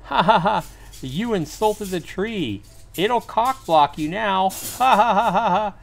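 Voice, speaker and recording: Man doing a cocky high-pitched teenage high school boy. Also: lively intonation, slow, gravelly, soft background music, heavily acted. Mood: mocking. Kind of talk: acted visual novel dialogue.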